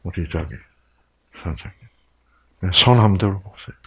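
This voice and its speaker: With a husky, low-pitched voice at normal speed, an older man presents a health lecture on stage in a large lecture hall. He is animated, alternating between exclamations and hushed asides.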